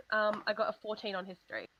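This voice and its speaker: A woman's voice: mid-range voice, level tone, fairly quick, lo-fi sound, a little hiss or hum. A woman taking part as a player in an online tabletop game, speaking in a friendly, careful, chatty way.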